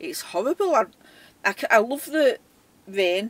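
A woman's voice with lively intonation at a moderate pace. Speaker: vlogger. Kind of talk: casual vlog chat. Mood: uneasy, anxious about storm. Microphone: webcam.

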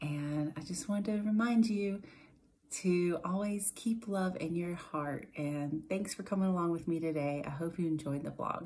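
This woman talks at a fairly slow pace with a somewhat breathy voice. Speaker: home vlogger. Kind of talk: casual vlog chat. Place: home room. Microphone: phone near.

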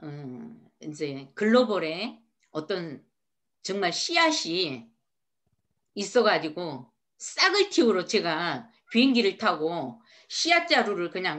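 A woman's voice with very wide pitch swings over a quiet background. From South Korea. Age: 60s. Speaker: network marketing leader; speaker. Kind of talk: testimony. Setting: video call. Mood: earnest, motivational. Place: home room. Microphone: video call.

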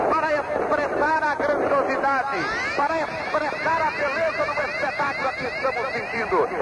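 A man speaks at a fairly slow pace. Crowd noise can be heard in the background. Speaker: radio sports commentator. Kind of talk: commentary. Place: stadium. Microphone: old recording.

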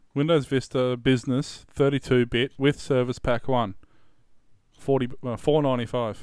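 Here a man talks in an Australian accent at a medium pitch and moderate pace. His intonation is monotone and flat, on a very clean recording with a silent background. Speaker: tech podcast host. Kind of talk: casual chat.

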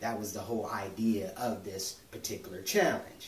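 A man talks at a moderate pace in a room with audible echo. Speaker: fitness coach. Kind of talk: instructional explanation of challenge rules. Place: home room. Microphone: camera far.

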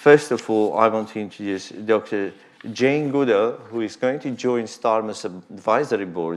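Fairly slow speech from a man, pitch shifting in an ordinary way. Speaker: event host. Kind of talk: formal introductions at a press conference. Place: hall. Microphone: podium.

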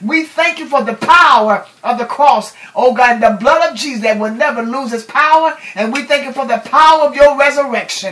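A woman's high-pitched voice at a fairly quick pace, with hardly any pauses, ordinary pitch variation and big swings in loudness. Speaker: prayer leader. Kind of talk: fervent spontaneous prayer, rhythmic pleading invocation. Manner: run-on, breathless cadence stacking 'oh God' and 'hallelujah'; impassioned, repetitive crying out for mercy.

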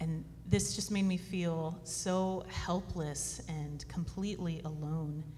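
A woman with an American accent speaks at a fairly low pitch, her intonation fairly even, over light background noise. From US South. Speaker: military veteran. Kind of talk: testimony. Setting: church. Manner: halting. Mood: earnest, emotional, reflective. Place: church. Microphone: handheld.

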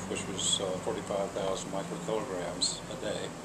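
A man keeps a moderate pace as loud background noise fills the recording. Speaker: cancer patient. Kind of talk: testimonial interview answer. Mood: calm, hopeful. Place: garden. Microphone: camera far.

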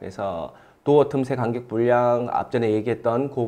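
Speaking with a Gyeongsang accent, a man has a dark, mellow tone and ordinary pitch variation. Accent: Gyeongsang dialect Korean. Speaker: university professor, elevator lecturer. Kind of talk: lecture. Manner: animated, gets excited while lecturing.

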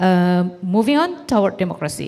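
Somewhat breathy, a woman speaks with an Indonesian accent and lively intonation at a moderate pace. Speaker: social activist; conference panelist. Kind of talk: conference presentation. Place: hall. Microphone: podium.

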